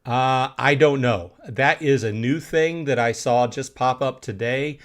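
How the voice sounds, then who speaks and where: A middle-aged man hosting a casual live stream, reading chat aloud with many fillers and pauses, clearing his throat now and then. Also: medium pitch. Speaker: streamer host.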